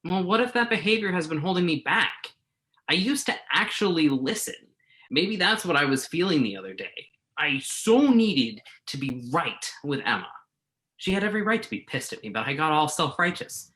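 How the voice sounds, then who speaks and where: A man's voice: on the high side, very animated, moderate pace, pushed and bright, rough recording. A man acting the part of an earnest, wordy, self-doubting journalist in a staged play reading. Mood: regretful. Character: remorseful male entertainment journalist, self-doubting, argumentative, earnest.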